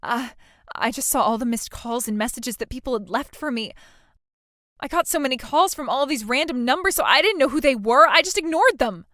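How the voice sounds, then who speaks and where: A woman's voice: high-pitched, expressive, fairly quick, bright, forceful tone, no echo, clean studio sound. A woman playing a whiny, entitled bride. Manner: whiny, stammering, self-pitying. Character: self-absorbed young bride, whiny and entitled. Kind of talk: scripted drama dialogue.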